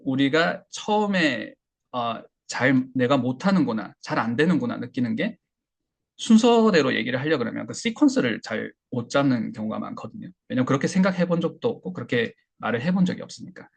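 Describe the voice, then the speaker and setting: A man giving an online English listening lecture, relaxed and explanatory, with frequent fillers and self-corrections. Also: medium pitch, brisk, vocal fry, husky.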